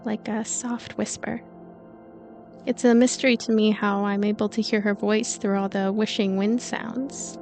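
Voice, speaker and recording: A woman with a higher-than-average voice narrates a visual novel expressively. She slips into casual asides between passages, and game music plays faintly underneath. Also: a little mellow. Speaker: let's play narrator and commentator.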